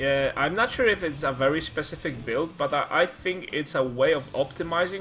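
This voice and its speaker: A man talks at a moderate pace, his pitch fairly high. Noticeable background noise runs under his voice. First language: not English. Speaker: esports caster. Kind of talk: live commentary.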